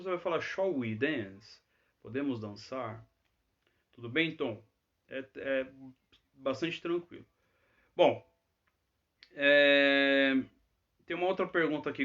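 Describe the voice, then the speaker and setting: A man's voice: medium pitch, a bit bright, highs cut off. A man teaching English in a live Q&A, chatty and always checking in with tag questions. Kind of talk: live Q&A lesson.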